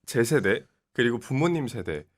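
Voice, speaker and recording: A man's voice: mid-range voice, moderate pace. A man in his twenties, a guest commentator, explaining social media and politics in casual talk. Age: 20s. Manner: explanatory, steady, frequent short acknowledgments.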